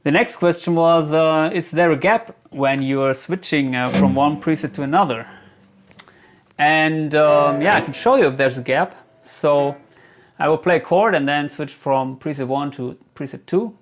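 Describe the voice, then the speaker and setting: A man giving a casual gear Q&A as a reviewer, speaking haltingly as he thinks aloud. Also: a little high, a little hiss or hum. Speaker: guitar gear reviewer answering viewer questions. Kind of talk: casual product Q&A talk.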